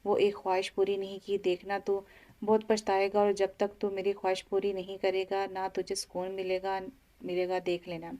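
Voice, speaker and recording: A woman's voice: medium pitch, completely flat delivery, normal speed, dark tone, lightly acted. A woman voicing a man's blunt, angry lawyer friend in an audio novel, scolding him.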